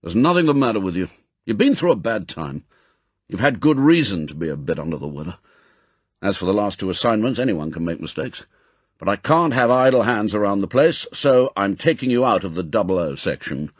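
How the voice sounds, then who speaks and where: A man voicing a gruff, impatient elderly spy chief, brusque and authoritative, in an audiobook. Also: on the low side, big pitch swings, brisk, no echo. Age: older. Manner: brusque, authoritative, clipped commands. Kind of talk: audiobook character acting.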